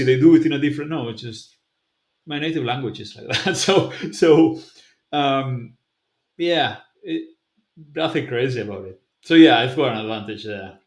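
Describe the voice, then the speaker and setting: Male vlogger, loose musing delivery, mid pitch, echoey room. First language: Basque. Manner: conversational, musing, loose explanations. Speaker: language-learning vlogger. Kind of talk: casual vlog, thinking aloud to camera. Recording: roomy echoing room.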